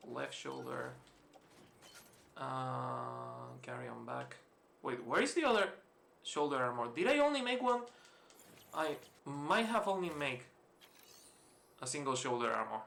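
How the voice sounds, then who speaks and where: Gaming host, male, Spanish-influenced accent, bright edgy voice, loose swearing play-along chatter. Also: medium pitch, creaky. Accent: mixed, Spanish-influenced. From Spain. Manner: rambling, swears freely, chuckles often. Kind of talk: casual let's-play commentary. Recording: roomy echo, faint hiss.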